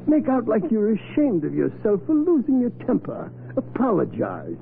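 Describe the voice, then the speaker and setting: An actor playing a scheming old shopkeeper in a 1940s radio drama, coaxing, with a stammer that repeats words. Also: male voice, high voice, huge pitch swings, normal speed, gravelly, exaggerated voice. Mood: instructing, sly. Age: older. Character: scheming old candy-store man running a swindle. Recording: tinny, hissy old radio broadcast.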